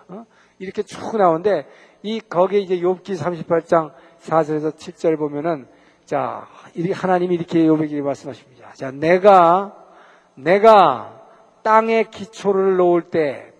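A man's voice: fairly high pitch, gravelly, darkish tone, in a large hall. A man giving a Bible lecture to a class, talking conversationally and asking them rhetorical questions. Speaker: Bible teacher.

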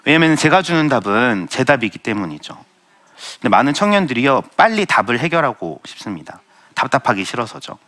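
A man's voice: medium pitch, sing-song, fairly quick, a bit bright. A young man giving an earnest, self-deprecating Christian testimony and answering audience questions. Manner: earnest, self-deprecating storytelling with light laughs. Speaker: Christian speaker sharing testimony.

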